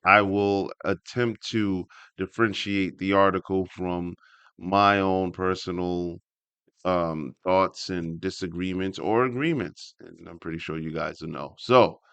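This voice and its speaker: A man with a fairly low voice reads aloud and comments as he goes, in a casual, off-the-cuff way. He often interrupts himself with animated asides. The sound is dry and close, with very little room in it. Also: dry recording. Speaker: host reading a wrestling article aloud with commentary. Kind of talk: casual read-along commentary.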